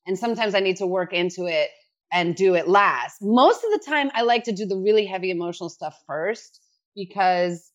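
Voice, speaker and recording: A middle-aged woman from New York City talks as an actor guest on a podcast. Her voice sits in a middle register and swings up and down with lively energy. She laughs easily and restarts her sentences as she chats. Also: mid-range voice, lo-fi sound. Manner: animated, laughs often, quick restarts. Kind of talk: casual chat.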